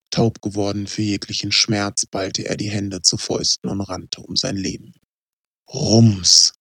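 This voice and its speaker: A man narrating a dramatic novel in a low, husky voice. He reads close to the microphone in a dry, dead-sounding space. The delivery intensifies during the tense scenes. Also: a bit bright, no echo. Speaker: audiobook narrator.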